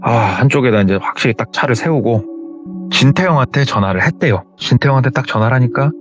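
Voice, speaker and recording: A man's voice: medium pitch, lively intonation, fast, over music. A man animatedly retelling a scary true story in a dramatic way.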